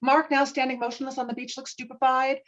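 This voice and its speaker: A woman's voice: high-pitched, little pitch movement, fast talker, a bit bright. Woman reading screenplay directions, muffled audio. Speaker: stage directions reader. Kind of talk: scripted narration of a screenplay table read. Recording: muffled lo-fi video call audio.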